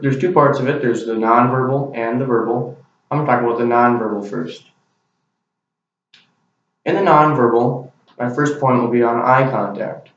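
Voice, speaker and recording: Young man in a very echoey room. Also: medium pitch. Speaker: student. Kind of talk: class speech to camera. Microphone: camera mic. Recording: very echoey, distant, dull camera recording.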